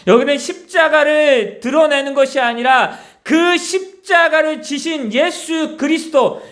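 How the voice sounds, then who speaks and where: A man's voice: extremely high pitch, measured pace, fairly bright tone. A man preaching a sermon as pastor, emphatic, repeating key words and tossing rhetorical questions to the congregation.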